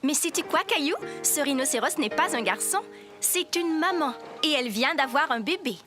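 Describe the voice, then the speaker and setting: A woman voicing a kindly animal keeper who gently explains things to children in a cartoon. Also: high voice, animated, moderate pace, over music. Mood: cheerful, explaining. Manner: gentle, instructive.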